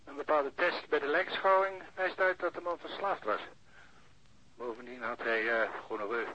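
An actor playing a chatty, eager forensic lab investigator in a radio crime drama, with hesitant interjections. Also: male voice, on the high side, moderate pace, lightly acted. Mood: matter-of-fact. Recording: dull lo-fi radio recording, faint noise.

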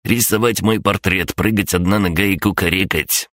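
A man's voice: sits low, fairly even intonation, moderate pace, fairly bright tone, no room sound, clean studio sound, voice pushed up. A man voicing a boastful male crab-gnome spirit who talks in clipped, broken commands, in a storybook reading. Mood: smug.

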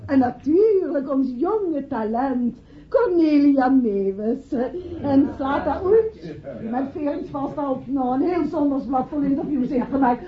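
A devoted, chatty hostess addresses party guests in a high, gushing voice. She halts and repeats herself as in an improvised toast. The radio-play recording sounds slightly muffled. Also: lively intonation, measured pace. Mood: gracious, excited. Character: effusive hostess toasting her husband's birthday, devoted and chatty. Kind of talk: Dutch radio play acting.

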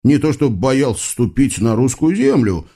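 A man narrating an audiobook in an expressive, ironic, conversational way. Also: medium pitch, normal speed, breathy edge.

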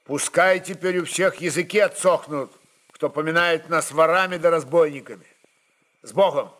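Man acting a forceful Cossack rebel chieftain. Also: fairly high pitch, pitched above the performer's own voice, close to an everyday voice. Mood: forceful, uneasy. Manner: forceful, halting declarations. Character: commanding Cossack rebel chieftain, bold, gruff, impatient.

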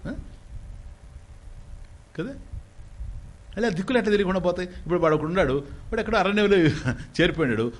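A man teaches Vedanta to a gathering, his voice rising and falling in a lively sweep. He often poses a question to his listeners and answers it himself. He draws out each Sanskrit phrase slowly and carefully. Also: on the high side, slightly rough. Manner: slow deliberate chanting of Sanskrit phrases. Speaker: spiritual teacher. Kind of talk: Vedanta discourse.

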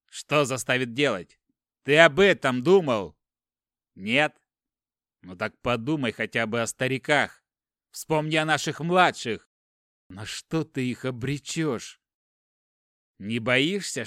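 A man's voice: mid-range voice, fairly bright tone, no echo, studio quality, natural voice. A man voicing a furious, hot-tempered captive warrior lord who hurls defiant accusations.

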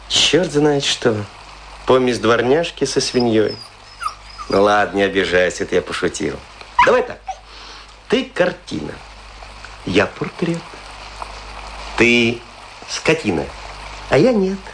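An actor in a radio play monologue, playing a tipsy, self-pitying provincial actor who declaims and muses aloud. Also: male voice, fairly low pitch, creaky, a bit bright, a little hiss or hum, exaggerated voice, rough recording. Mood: teasing, fond. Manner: declamatory, musing aloud, swinging between grand and intimate.

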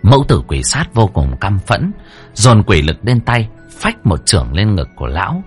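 A man's voice: lowish voice, sing-song, moderate pace, soft background music. A man narrating a horror story dramatically.

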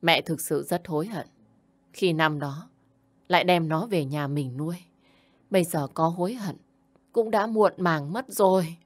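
A woman doing a quiet, bitter old mother. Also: lowish voice, measured pace, pauses often, no echo. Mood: regretful. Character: hurt, regretful middle-aged mother.

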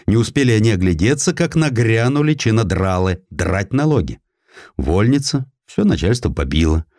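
A man's voice: mid-range voice, darkish tone, no room sound, clean studio sound. A man narrating a historical story as a dramatised audiobook, reading from a script.

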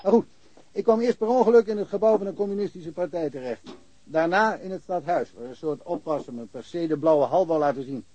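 A man's voice: a little high, a little fast, warm tone, no echo, dull audio, lightly acted. An actor playing a chatty, wry small-town policeman in a naturalistic radio crime drama, rambling along with dry humour. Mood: dryly amused. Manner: rambling, dryly humorous. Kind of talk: naturalistic radio play dialogue.

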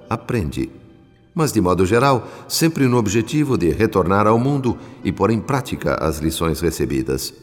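A male actor with a Brazilian accent playing an earnest, reverent spirit who narrates a radio drama in a solemn, measured, formal way. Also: sits low. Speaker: narrator character. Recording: long reverb with music behind. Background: music.

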